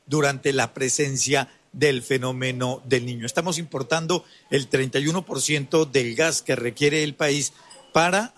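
A man delivering a steady radio news report on energy supply. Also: mid-range voice. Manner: steady, informative.

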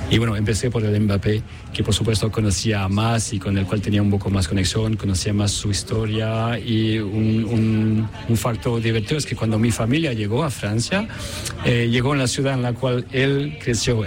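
A man from Chile, a product designer, answering interview questions hesitantly with many fillers and restarts, at a busy event. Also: fairly low pitch. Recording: crowd chatter behind.

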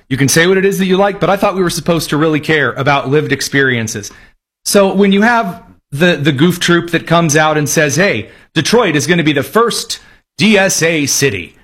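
Sarcastic man with a husky voice. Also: on the high side, a bit bright. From Indiana. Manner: mocking, jokey asides. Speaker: commentary host. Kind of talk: sarcastic political commentary.

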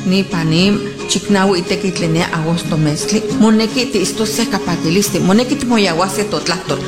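Nahuatl-native woman from Mexico, documentary testimony, firm and proud, mid-height voice, music bed under her. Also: medium pitch.

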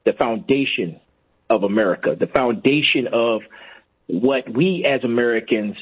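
Husky-voiced man calling in by phone. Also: medium pitch, normal speed. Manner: earnest, repeats himself for emphasis. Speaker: caller. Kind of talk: call-in radio. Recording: tinny phone line.

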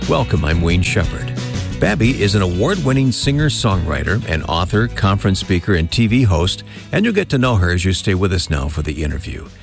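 A man's voice: low voice, very animated, brisk, gravelly, music in the background. A man who hosts a radio interview show, introducing his guest and chatting with her and laughing along. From Michigan.

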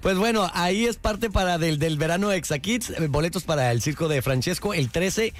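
A man's voice: high voice, moderate pace. A man co-hosting a morning radio show, reading promotions in a playful, teasing way. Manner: playful, teasing, reads promos with mock-clumsy English. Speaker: radio co-host.

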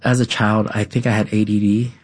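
Halting low-voiced man, lots of fillers. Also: flat delivery. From United States. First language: Vietnamese. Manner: halting, many pauses and fillers, often adds "right?". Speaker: interview guest. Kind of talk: casual conversational interview.

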